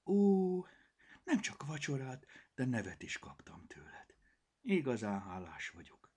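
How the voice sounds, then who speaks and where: A man's voice: mid-range voice, wildly swooping pitch, darkish tone, slightly rough, voice pushed up. A man voicing a small, shy black stray kitten with a thin, small voice, speaking apologetically. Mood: timid, grateful.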